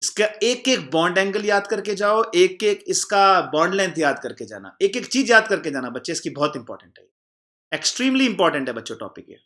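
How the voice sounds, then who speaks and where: A man teaches an exam-prep chemistry lesson with a bright, fairly high voice. He turns every point into a question for his "children" and answers it himself. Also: lively intonation, moderate pace. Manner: explains by repeating, asking the class and answering himself; calls the students "children" warmly.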